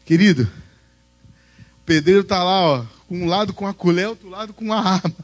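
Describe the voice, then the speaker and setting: A man preaching a sermon in a church, reading scripture slowly and then breaking into loud exhortation. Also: sits high.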